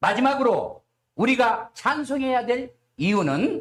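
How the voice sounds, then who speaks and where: A man at an extremely high pitch and a very slow pace. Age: 70s. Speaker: pastor. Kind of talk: sermon.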